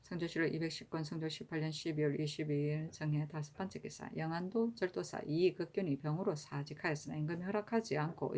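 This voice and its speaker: A woman reading historical court annals aloud in a steady, even-paced, formal manner. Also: deep voice. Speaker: reader of historical records.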